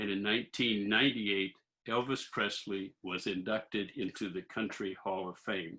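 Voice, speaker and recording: The pace runs fairly slow. Bright and sharp is the tone. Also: man. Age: 70s. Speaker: retired school principal. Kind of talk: casual presentation to online group. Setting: video call.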